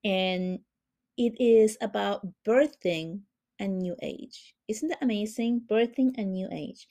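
A woman from Chile hosting a spiritual podcast, talking in a soft, reverent way and drawing out her words. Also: medium pitch, slow pace. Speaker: podcast host, spiritual healer.

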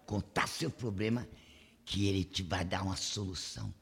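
An actor playing a wise old woman counsellor in a Brazilian radio play, with a gravelly, husky voice. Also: low voice, normal speed, exaggerated voice. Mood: knowing. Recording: reverberant hall-like echo.

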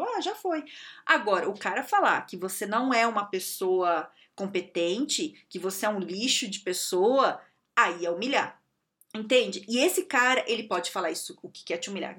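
A woman's voice: fairly high pitch, a bit bright. Direct Brazilian woman giving career advice. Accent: Brazilian Portuguese. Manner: direct and conversational, checking in with the listener often. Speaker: podcast host and career adviser. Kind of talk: podcast advice monologue.

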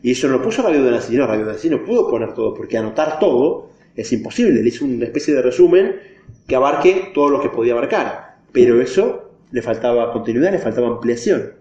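A man's voice: mid-range voice, animated, fast, mellow. A man teaching a class, explaining step by step and quizzing his students. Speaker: religion teacher. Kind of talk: classroom lesson. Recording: echoey, dull lo-fi room recording.

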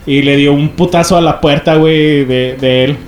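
A young man with a Mexican accent, co-hosting a podcast and telling a story in a lively, slangy way, acting out what others said. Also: on the high side, moderate pace. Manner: animated, slangy, laughing, acts out others' lines. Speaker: podcast co-host. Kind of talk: casual storytelling among friends. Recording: echoey room, faint background noise.

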